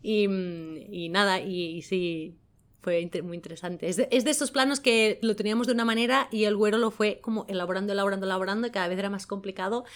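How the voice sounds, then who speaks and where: A woman from gives an interview as a guest. She speaks colloquially at a medium pitch, telling stories in an animated, spontaneous manner. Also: fast talker. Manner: animated storytelling, colloquial, acts out quotes. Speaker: guest, film director of photography. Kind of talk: casual interview chat, anecdotes.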